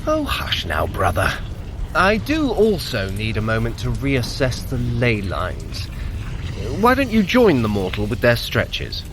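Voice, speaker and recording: An actor playing a sardonic, bickering trickster god in an audio drama, with a dry, theatrically complaining manner. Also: male voice, medium pitch, wildly swooping pitch, a little slow, music in the background. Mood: exasperated, teasing. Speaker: guide in a fitness adventure. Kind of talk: scripted audio drama acting.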